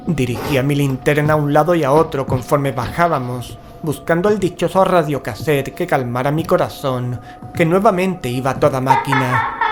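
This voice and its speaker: An actor playing a frightened, earnest paranormal investigator, narrating a horror audio drama. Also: male voice, medium pitch, close to an everyday voice. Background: music.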